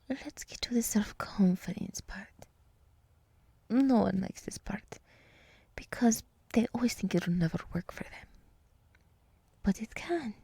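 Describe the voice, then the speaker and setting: A woman voicing a gentle, nurturing deer woman in an ASMR roleplay, speaking softly in half-whispers with soothing, reassuring pauses. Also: a little high, breathy edge, no room sound, full character voice. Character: gentle, nurturing deer woman, encouraging forest monster girl.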